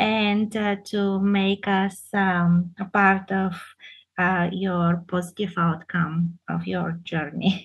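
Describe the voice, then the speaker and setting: A woman's somewhat breathy, medium-pitched voice in a Bulgarian accent, very slow and with fairly even intonation. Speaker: community radio host. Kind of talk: interview. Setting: video call.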